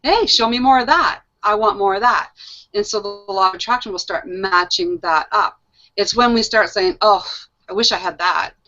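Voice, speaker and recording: A middle-aged woman hosting a casual panel discussion, animated and laughing often, repeating phrases for emphasis. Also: medium pitch, moderate pace. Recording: muffled lo-fi audio.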